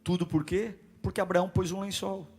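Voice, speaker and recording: A man around forty preaching a sermon, moving from calm teaching into loud, rhythmic, repetitive exhortation. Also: high voice, fairly quick, breathy edge, faint music behind. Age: 40s.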